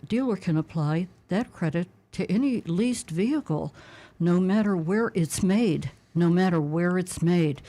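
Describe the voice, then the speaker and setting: A woman's voice: on the low side, warm tone. Chatty, laughing woman co-host. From Pittsburgh. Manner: laughs often, quick and chatty. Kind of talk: radio talk show.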